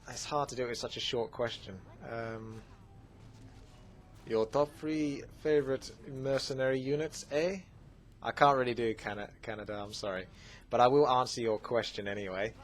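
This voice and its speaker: A man with an Essex accent, hosting a gaming channel, answering viewer questions in a relaxed, chatty way with plenty of fillers. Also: on the low side. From England. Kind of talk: casual Q&A commentary.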